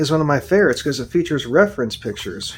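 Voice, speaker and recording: A man with a fairly high pitch, somewhat breathy, at a very fast pace. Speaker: railfan YouTuber. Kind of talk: casual book review. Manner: halting, self-correcting.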